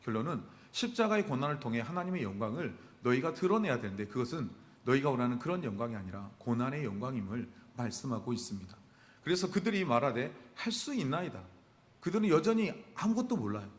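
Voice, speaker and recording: Animated preacher in a reverberant church. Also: male voice, mid-range voice. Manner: asks the congregation rhetorical questions and answers them himself. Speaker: pastor. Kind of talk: sermon. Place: church sanctuary.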